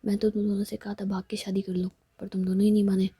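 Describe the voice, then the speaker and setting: A woman voicing a calm, practical middle-aged mother who speaks in a soothing, matter-of-fact way. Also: mid-range voice, quick pace, husky.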